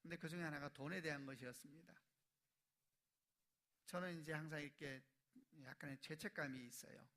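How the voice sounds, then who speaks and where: Male pastor, 40s, sermon delivery; bright, forceful, fairly high voice with surging emphatic climaxes. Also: a little fast, pauses often. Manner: storytelling, swells to loud emphatic peaks.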